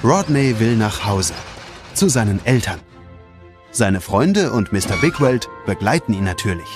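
A man's voice: fairly low pitch, lively intonation, unhurried. A man narrates a scripted audio play for children. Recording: music under the voice. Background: prominent music.

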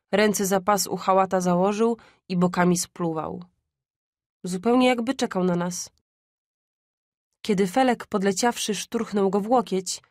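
A woman's voice: mid-range voice, a little mellow, no echo. Woman reading a classic story, dry sound. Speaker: audiobook narrator. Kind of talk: audiobook narration of a classic story.

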